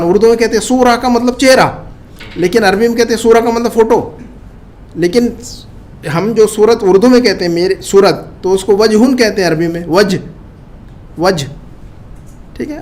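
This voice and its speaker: A man's voice: high voice, a little mellow. A man teaching an Arabic class to Urdu speakers, drilling words by repetition and stressing careful pronunciation. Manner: repeats phrases slowly and stresses pronunciation.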